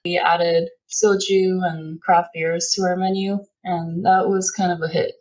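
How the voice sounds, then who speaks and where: A woman's voice: lowish voice, measured pace, lo-fi sound. A woman in her thirties, born in Korea, talking casually as a restaurant owner being interviewed. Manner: relaxed, chatty, laughs now and then.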